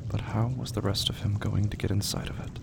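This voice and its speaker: A man performing a brooding narrator of a horror audio drama, with a low voice full of heavy gravel. He delivers literary prose dramatically, in expressive swings, under loud cricket-laden noise. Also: quick pace. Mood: somber.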